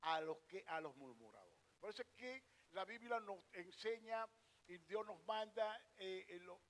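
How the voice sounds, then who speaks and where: A preacher with a high voice for a man, delivering a sermon. He throws questions at his listeners and answers them, restarting and hammering each point. Now and then he stops to call on a reader for the next verse. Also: animated, a little slow, fairly bright tone. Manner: asks the congregation rhetorical questions and answers them himself; directs a scripture reader between points.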